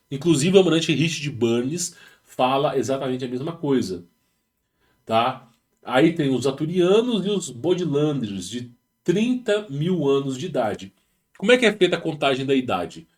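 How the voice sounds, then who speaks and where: Brazilian male host, higher-pitched, rambling casual commentary with slang and restarts. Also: darkish tone. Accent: Brazilian Portuguese. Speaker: channel host. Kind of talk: casual talk reading and commenting on a text. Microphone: home setup with rural internet.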